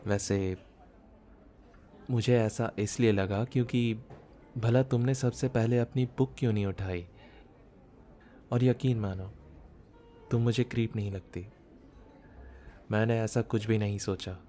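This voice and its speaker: A man acting a shy, bookish man in his thirties in an intimate ASMR romance roleplay, speaking softly as if musing, with some background noise. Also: fairly low pitch, steady tone, lightly acted. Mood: gentle. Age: 30s. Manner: soft, unhurried, intimate, musing. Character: shy, bookish, self-doubting thirty-year-old man, tender romantic lead. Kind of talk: ASMR boyfriend roleplay audio drama.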